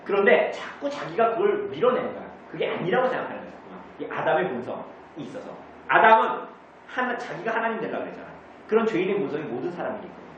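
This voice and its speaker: A man's voice: on the high side, very animated, quick pace, fairly bright tone. A man teaching a church group about the catechism, asking the congregation questions and answering them himself. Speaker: pastor. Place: church meeting room. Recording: distant, echoey, dull room recording.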